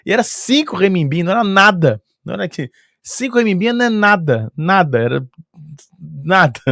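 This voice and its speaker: A man with a Brazilian Portuguese accent telling a travel story in a casual, lively way, chuckling often and using sound-effect filler words. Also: sits high, normal speed, dry recording, clean studio sound.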